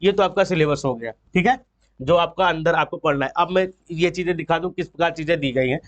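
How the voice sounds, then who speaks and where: Higher-pitched man, dull recording. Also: a little fast. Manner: explanatory, mixes in English terms. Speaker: presenter of an exam-prep book review. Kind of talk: informal instructional walkthrough. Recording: dull, lo-fi sound.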